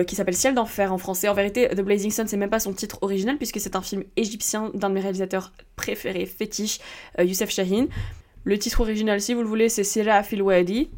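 A young woman talks through her film picks on her own podcast. She is chatty and self-deprecating, and her sentences are full of fillers and restarts. Her pitch sits in the middle range. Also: darkish tone. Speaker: podcast host. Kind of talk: casual film-recommendation podcast.

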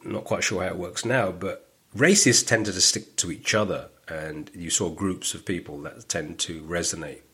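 A middle-aged man with a London accent and a low, husky voice. He talks casually as a guest on a podcast, telling stories with animation and sometimes acting out other people's lines. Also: moderate pace. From northwest London. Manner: animated storytelling, acts out quoted voices. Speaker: stand-up comedian guest.

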